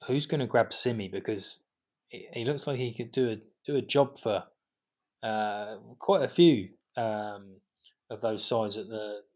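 A man's voice: lowish voice, a little slow. A man co-hosting a casual football podcast, often stumbling and restarting as he talks. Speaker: podcast co-host.

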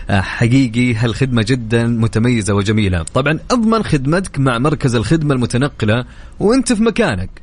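Quick Saudi male radio co-host. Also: medium pitch. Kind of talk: live radio presenting, sponsor reads. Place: radio studio.

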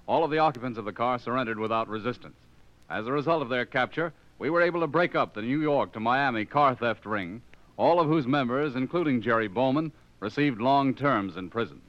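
An actor with an American accent playing a businesslike federal agent narrating a case in a 1950s radio drama. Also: male voice, mid-range voice, brisk, no echo, close to an everyday voice. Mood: factual, conclusive. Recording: dull vintage radio recording.

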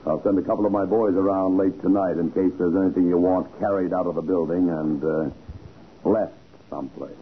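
An actor playing a cool, menacing gambler, tough, sardonic and slangy, in a 1940s radio crime drama. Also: male voice, low-pitched, steady tone, a little fast, narrow, tinny audio, lightly acted. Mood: cool menace. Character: cool menacing male gangster gambler with a revolver. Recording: noisy old 1940s radio recording.

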